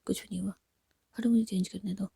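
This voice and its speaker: A woman's voice: mid-range voice, fairly even intonation, fast, creaky, warm tone, breathy edge, no room sound, studio quality, exaggerated voice. A woman whispering the lines of a jealous young woman, curt and accusing.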